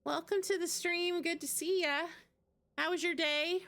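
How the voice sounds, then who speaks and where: A woman with a very high, fairly bright voice livestreams video games over game music. She chats casually and unhurriedly with fairly even intonation, making fun of herself.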